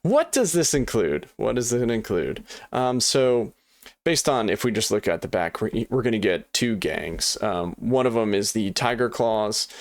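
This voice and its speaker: A man's voice: fairly low pitch, unhurried, dry recording. A man hosting a board game unboxing at his desk, talking in a rambling, chatty way with many fillers and restarts, and often apologizing. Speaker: board game channel host. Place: home desk.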